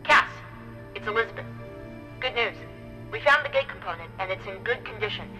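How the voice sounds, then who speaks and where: A woman's voice: mid-range voice, expressive, fairly quick, pushed and bright, soft background music. A woman playing a composed space crewmate reporting over a radio link in a sci-fi audio drama. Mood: composed, businesslike. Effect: radio comms filter. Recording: radio-filtered voice with long reverb.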